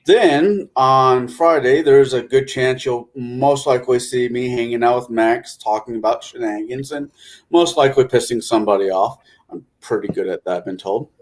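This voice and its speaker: A man's voice: mid-range voice, normal speed. A man chatting casually and informally as a guest on an online panel. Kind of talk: casual chat.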